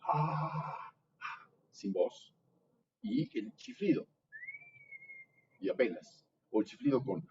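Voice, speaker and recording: Low, mellow Mexican man coaching from afar. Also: expressive. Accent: Mexican Spanish. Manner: patient, encouraging, explains in halting clauses. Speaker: music workshop teacher. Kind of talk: coaching a vocal improvisation exercise. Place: university music classroom. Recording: dull, distant room recording with faint noise.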